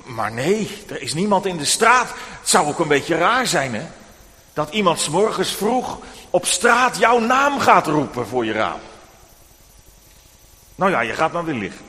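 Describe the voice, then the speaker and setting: Male preacher, children's sermon; high, very animated storytelling, reverberant church hall. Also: unhurried, pauses often. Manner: animated, addressing children directly.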